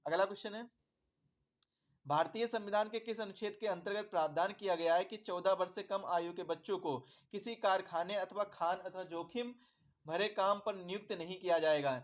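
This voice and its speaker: A man's voice: high voice, moderate pace. A man teaching an exam prep lesson. He repeats his points, asks questions and answers them himself, and calls viewers "my dear brother".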